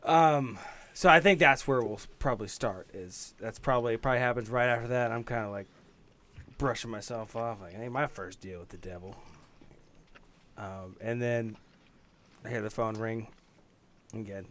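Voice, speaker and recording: Wry, folksy man improvising role-play, mid-pitched. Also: moderate pace, a bit bright. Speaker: tabletop game player on a podcast.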